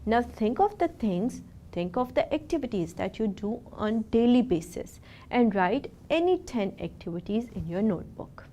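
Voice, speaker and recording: Female teacher, scripted lesson, careful deliberate delivery. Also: on the high side, big pitch swings, warm tone, a little hiss or hum. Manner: slow, careful, sounding out words.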